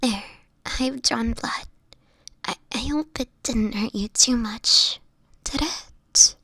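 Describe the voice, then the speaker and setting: Woman playing a breathy, slow-spoken sickly vampire woman. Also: a little high, sharp tone, full character voice. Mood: ashamed, apologetic. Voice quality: breathy, often whispering. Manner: hesitant, tender, pleading. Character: sickly homeless vampire woman, gentle, anguished and ashamed. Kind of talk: breathy audio roleplay addressed to the listener.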